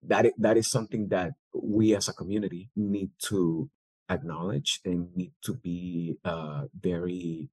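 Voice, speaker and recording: Low-voiced man, dry close mic. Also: expressive, measured pace, darkish tone, dry recording. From El Salvador. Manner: thoughtful, with many fillers and restarts. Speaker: guest, business owner. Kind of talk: interview answers.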